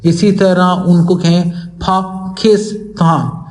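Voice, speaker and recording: A man with a Pakistani accent walks teachers through a lesson, reading English lines slowly and carefully. His voice sits a little high for a man but has a mellow, dark tone. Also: rough recording. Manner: slow, deliberate when reading English lines aloud. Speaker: teacher trainer. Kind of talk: lecture to teachers.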